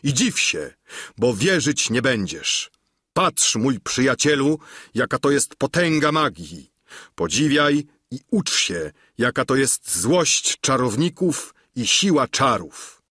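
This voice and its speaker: A man's voice: medium pitch, expressive, unhurried, fairly bright tone, no room sound, clean studio sound. A man voicing a deluded older knight who declaims in a commanding, solemn way in an audiobook. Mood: exclaiming.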